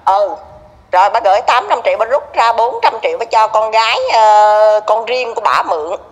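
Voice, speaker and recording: A middle-aged woman with a Southern Vietnamese accent talks in a slightly high voice, gossipy and emphatic, circling back over her points. Her voice carries a lingering reverb. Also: lively intonation, moderate pace. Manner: gossipy, emphatic, repeats herself. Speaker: neighbor being interviewed. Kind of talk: casual conversation.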